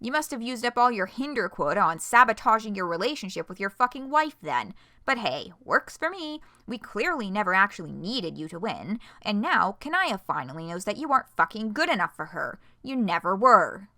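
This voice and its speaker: A woman's voice: medium pitch, big pitch swings, moderate pace, few pauses, dry recording, clean studio sound. A woman voicing an angry, foul-mouthed young male troll who hurls insults. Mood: cruel. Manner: shouting insults.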